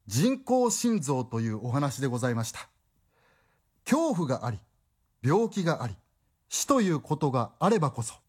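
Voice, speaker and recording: A man's voice: fairly high pitch, slightly rough. A man narrating a radio drama in a formal, traditional storyteller's phrasing.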